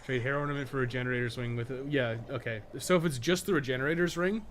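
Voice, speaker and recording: A man's voice: mid-range voice, quick pace. A man giving casual live game-stream commentary, thinking aloud in a rambling, blunt way and swearing freely. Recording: clear background noise.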